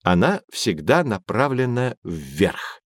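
A knowledgeable professor who explains things calmly to children. His husky voice moves lively up and down. The recording is dry and close. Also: fairly low pitch, takes it slowly, dry recording, heavily acted. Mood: explaining. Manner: calm, explanatory. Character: patient, knowledgeable male professor. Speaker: explaining guide in an audio encyclopedia. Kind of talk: scripted educational narration.

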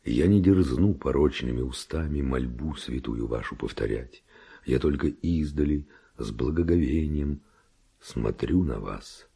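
An actor playing a bold, passionate Spanish nobleman and seducer in a verse radio drama, declaiming ardently in a gravelly, husky voice. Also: rumbling low, unhurried, warm tone, heavily acted. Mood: reverent, ardent.

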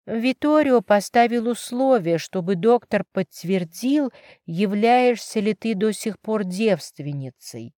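Woman doing a worried mom, soft and shaky, dry close audio. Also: mid-range voice, expressive, slow pace, no echo. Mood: bitter, anxious. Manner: soft, faltering. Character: anxious middle-aged mother, gentle but bitter.

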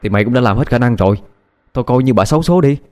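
A man voicing an exasperated young man who scolds his best friend loudly. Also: mid-range voice, animated, very fast, lightly acted.

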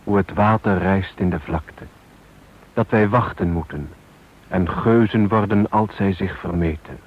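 A man reciting verse gravely, in measured phrases, as part of a radio drama. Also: deep voice. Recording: thin phone-like hissy radio recording.

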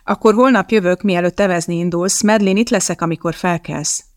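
An audiobook narrator voicing a blunt, sharp-tongued older woman neighbor with dry asides. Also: mid-range voice, dry recording, natural voice.

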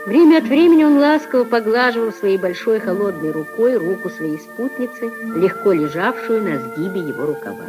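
A woman narrating a 1950s radio play in an expressive, declamatory reading style. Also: mid-range voice, normal speed, hardly any pauses, music in the background.

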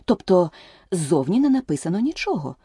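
A woman voicing a fussy, anxious male white rabbit herald in an audiobook, eager and hurried. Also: on the low side, very animated, warm tone, slightly rough, dry recording, clean studio sound, full character voice. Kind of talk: audiobook character voice.

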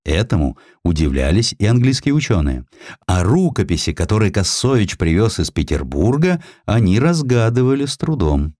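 A man reading a historical literary sketch in an expressive storytelling manner. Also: fairly low pitch, moderate pace, no room sound, studio quality. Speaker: audiobook narrator.

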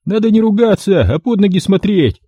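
A male narrator voicing a whiny male thug with a thin, bleating, squeaky voice. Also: expressive, a little fast, warm tone, husky, no echo, muffled recording. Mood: nagging. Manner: whiny, needling.

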